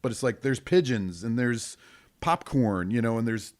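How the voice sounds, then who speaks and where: A middle-aged man with a deep voice, an improv performer and teacher talking casually in a podcast interview, often acting out bits of scenes. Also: no echo, studio quality. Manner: animated, acts out quick bits of scenes with laughs.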